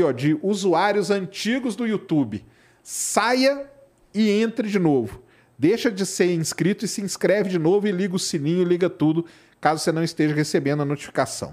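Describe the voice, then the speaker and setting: A man's voice: sits high, a little mellow. A man with a Brazilian accent hosting a live show in casual, slangy chat, often tagging phrases with little questions for agreement. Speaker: podcast host.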